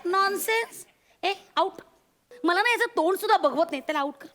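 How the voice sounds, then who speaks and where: A woman's voice: very high voice, animated, brisk. A woman playing an office boss in a stage comedy sketch, scolding and barking orders, speaking with a Marathi accent. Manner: bossy, scolding, shouting orders.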